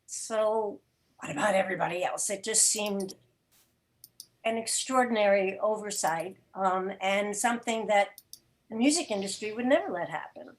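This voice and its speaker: A mature woman speaking reflectively as an interview guest on a video call, articulate, with thoughtful pauses mid-sentence. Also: medium pitch. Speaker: interview guest, theater podcast producer. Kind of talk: reflective conversational talk. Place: indoor room, video call.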